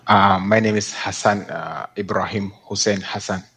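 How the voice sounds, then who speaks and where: A man's voice: low-pitched, fairly even intonation, moderate pace, fairly bright tone, breathy edge. A man, originally from Darfur, giving careful, hesitant testimony to a court over a video call. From Sudan, Darfur. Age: 20s. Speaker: victim testifying.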